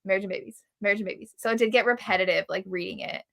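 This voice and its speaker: A woman's voice: mid-range voice, racing, creaky, fairly bright tone. A woman chatting casually about books on a live show, peppering her talk with "like" and acting out quotes. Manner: heavy use of "like". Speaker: co-host of a book club readalong.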